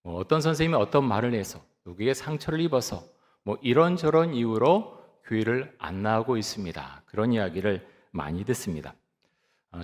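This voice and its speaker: A man in his fifties, a pastor giving a sermon in a church, telling a personal story calmly and reflectively, often pausing with "ah" and "uh". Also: medium pitch. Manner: calm, reflective storytelling with frequent "ah" and "uh" fillers. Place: church sanctuary. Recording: long hall reverb.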